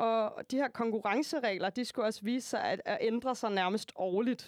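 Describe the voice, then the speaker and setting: A woman speaks in an ordinary speaking voice, recorded dry and close with no echo against a quiet background. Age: 20s. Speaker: student radio host. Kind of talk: casual chat.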